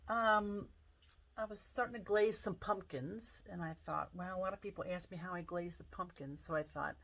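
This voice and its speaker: A woman pottery artist giving a casual demonstration, chatty and relaxed, thinking aloud with plenty of fillers as she works. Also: on the low side, rough recording. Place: home pottery studio.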